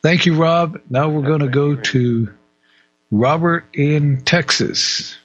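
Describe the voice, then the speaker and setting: A man hosting a radio call-in show, briskly moving between callers. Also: fairly high pitch, fairly bright tone, no echo, highs cut off. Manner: brisk, moves callers along. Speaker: radio talk show host.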